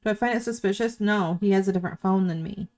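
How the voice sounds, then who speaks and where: A woman's voice: medium pitch, fast talker, darkish tone. A middle-aged woman commenting in a casual, opinionated, questioning way.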